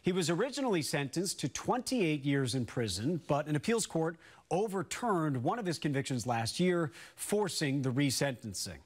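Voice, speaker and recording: Slightly high-voiced male news anchor. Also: big pitch swings, moderate pace. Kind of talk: scripted morning news reading.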